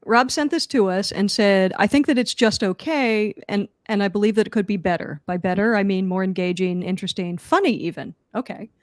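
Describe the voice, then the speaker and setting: A woman's voice: medium pitch, fairly quick, hardly any pauses, no echo, studio quality. A woman with a Philadelphia accent co-hosting a casual livestream from her home office, chatty and self-deprecating, laughing often. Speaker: co-host.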